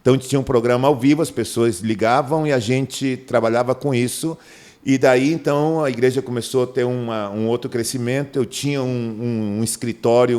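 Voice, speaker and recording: A middle-aged man from Manaus, Brazil, a pastor in a podcast interview who tells stories and acts out the dialogue. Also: medium pitch. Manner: animated storyteller, acts out dialogue in a raised voice.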